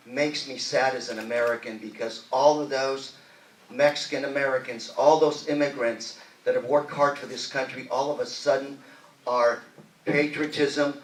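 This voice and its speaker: A man answering as a candidate in a political debate, earnest and measured. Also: medium pitch, steady tone, slight background noise. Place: debate hall. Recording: echoey hall from far off.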